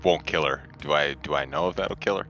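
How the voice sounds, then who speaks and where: A man's voice: a bass voice, fast, creaky, sharp tone. A man playing a tabletop roleplaying game, chatting casually and speaking for his character. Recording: dull lo-fi mic with music.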